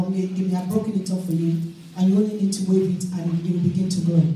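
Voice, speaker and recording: A woman talks at a moderate pace over light background noise, with audible echo in the room. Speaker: church minister. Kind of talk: announcements to congregation. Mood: warm, upbeat. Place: church.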